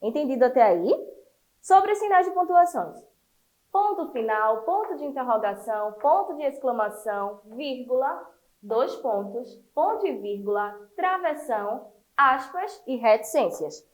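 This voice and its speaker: Brazilian teacher lady, high voice, super expressive, walking kids thru a lesson. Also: measured pace. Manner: lively, encouraging, explains step by step. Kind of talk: online class for children.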